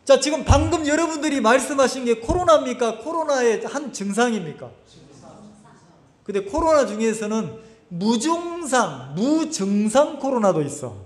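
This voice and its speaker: A male pastor preaching a sermon at a church camp, constantly asking the congregation questions. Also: very high voice. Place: church summer camp service. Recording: echoey hall.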